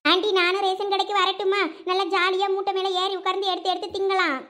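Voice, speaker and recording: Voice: very high voice, completely flat delivery, quick pace, very noisy. A voice actor playing a spoiled, food-loving young city bride in a village cartoon, with a childish, whiny manner and a Thoothukudi Tamil accent. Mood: giddy.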